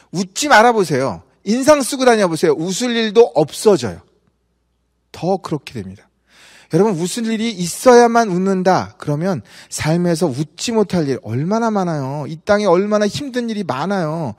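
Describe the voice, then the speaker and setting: A man preaching a sermon as pastor, talking in an animated, conversational way and asking the congregation questions. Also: high voice. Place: church sanctuary. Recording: church sanctuary with long reverb.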